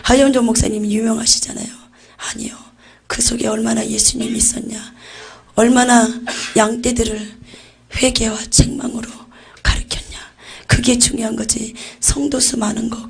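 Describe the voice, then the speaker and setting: A woman's voice: a little high, level tone, normal speed, creaky. A woman giving an intense religious testimony about visions, often dropping to a near-whisper. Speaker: testimony giver.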